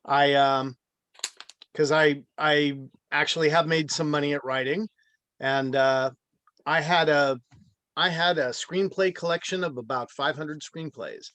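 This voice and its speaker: A man's voice: on the high side, fairly even intonation, unhurried, fairly bright tone, no room sound. A middle-aged man chatting casually on a video call, rambling through anecdotes. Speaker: participant in a virtual table read. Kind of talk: casual chat.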